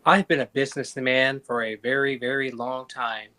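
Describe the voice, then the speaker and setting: A man improvising a self-assured veteran businessman with a confident, sales-pitch delivery. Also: steady tone, moderate pace, sharp tone, lightly acted. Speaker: improv performer.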